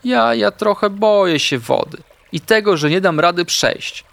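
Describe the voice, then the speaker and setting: A man's voice: high-pitched, animated, a little slow, gravelly, pitched above the performer's own voice, heavily acted. A man voicing a timid, fearful little male animal in a children's audio story, speaking shyly and hesitantly. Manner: shy, quiet, hesitant.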